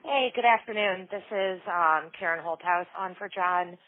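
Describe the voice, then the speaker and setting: A woman's voice: on the low side, moderate pace. A woman analyst asking a question on an earnings call. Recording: narrow telephone line.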